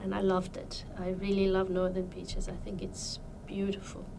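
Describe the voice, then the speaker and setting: A woman's medium-pitched voice with long, frequent pauses, audible room echo and noticeable background noise. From Iran. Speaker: community leader. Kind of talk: interview. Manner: halting, many fillers.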